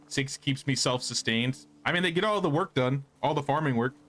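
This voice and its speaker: A man's voice: mid-range voice, fairly quick, fairly bright tone. A man doing casual livestream gameplay commentary, chatting and thinking aloud as he plays. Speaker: game streamer.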